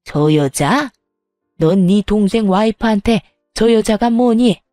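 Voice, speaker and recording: A spiteful older mother-in-law, voiced by a woman narrator, bullying and theatrical, her voice mellow and dark at the edges. She scolds and wails in an audio story, recorded dry and close with soft music underneath. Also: medium pitch, expressive, slow pace, dry recording. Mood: scolding. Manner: scolding, wails loudly when playing the victim. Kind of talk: storytelling voice acting.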